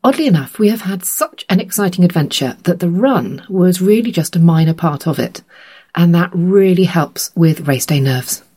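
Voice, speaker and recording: Low, gravelly British woman podcast host with a cold. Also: expressive, moderate pace, dark tone. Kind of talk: scripted podcast introduction and sponsor read.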